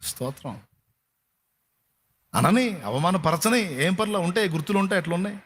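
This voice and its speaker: A man's voice: sits high, expressive, moderate pace, fairly bright tone, husky. A male pastor preaching a sermon in a colloquial, repetitive style, firing rhetorical questions at his congregation.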